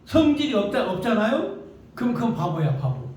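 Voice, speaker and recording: Male pastor, high pitch, emphatic sermon delivery, distant mic in a very echoey hall. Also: very animated, fairly quick, darkish tone, slight background noise. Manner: emphatic, with rhetorical questions and repeated "응?". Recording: echoey room picked up from a distance.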